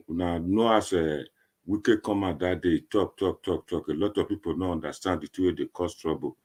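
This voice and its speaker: Deep, husky Nigerian Pidgin-speaking man. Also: warm tone. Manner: repetitive, emphatic, rambling. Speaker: online political commentator. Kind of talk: informal Nigerian Pidgin commentary to online viewers.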